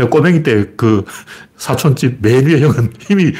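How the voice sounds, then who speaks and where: The man's voice is somewhat breathy, with lively intonation. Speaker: political and philosophy commentator, YouTube host. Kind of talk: solo livestream commentary and lecture. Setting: live video stream with camera and mic. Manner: rambling, digressive.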